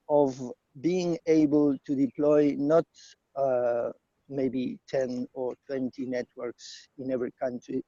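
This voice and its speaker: Slow-speaking man, dull sound. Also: medium pitch, dark tone, no room sound. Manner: hesitant, halting phrasing. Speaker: community network organization representative, speaker. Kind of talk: semi-prepared conference presentation.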